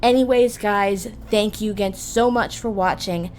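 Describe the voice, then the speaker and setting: A woman's voice: mid-range voice, fairly even intonation, a little slow, darkish tone, a little hiss or hum. A woman hosting a scripted gaming guide, addressing the listener directly with emphatic phrasing. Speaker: video guide host. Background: music behind the voice.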